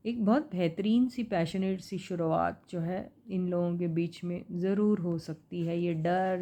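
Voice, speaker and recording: A woman's voice: on the low side, mellow. A woman giving a casual tarot reading, talking to her viewers in a chatty way, asking them questions and mixing in English phrases. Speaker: tarot reader.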